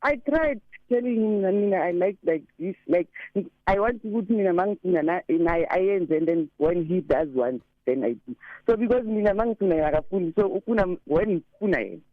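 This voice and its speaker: Woman caller in her thirties, deep voice, English mixed with Zulu, phone-line sound. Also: expressive, a little fast, few pauses, dry recording. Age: 30s. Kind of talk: phone-in call to a radio show. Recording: tinny phone line, dry.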